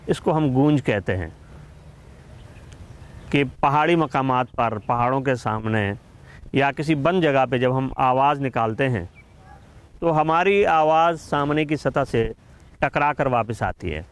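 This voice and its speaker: A man voicing a calm, wise father who gently and patiently explains a lesson to his young son. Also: mid-range voice, pauses often, smooth, close to an everyday voice.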